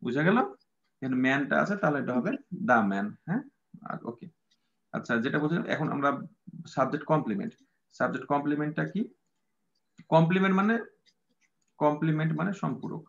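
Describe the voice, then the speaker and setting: A man's voice: a little high, gravelly. A man teaching an English grammar class, patient and repetitive, with many fillers. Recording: dull lo-fi sound.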